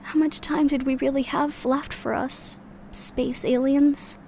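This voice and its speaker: Weary loyal young woman in a sci-fi audio drama, highish voice, earnest and reflective. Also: little pitch movement, a little slow, dark tone, a little hiss or hum. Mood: doubtful, frustrated.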